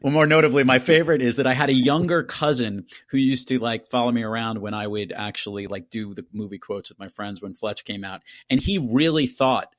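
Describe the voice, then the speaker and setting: A man of medium pitch hosts a casual podcast interview in an upbeat, chatty way. His voice is recorded close and dry, with no room sound. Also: fairly quick, hardly any pauses, no room sound. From Brooklyn, New York. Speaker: podcast host.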